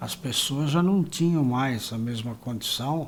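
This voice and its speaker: Here a man speaks at a fairly slow pace with a fairly high pitch. His voice is somewhat breathy, and his intonation is lively. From Brazil, São Paulo. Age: 70s. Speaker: holistic therapist and course instructor. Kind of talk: informal talk to camera.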